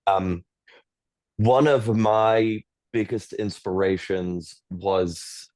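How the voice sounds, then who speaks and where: A man's voice: fairly low pitch, fairly even intonation, extremely slow, a little mellow, dry recording. A man from Switzerland speaking as a panelist at a game convention, chatty and anecdotal.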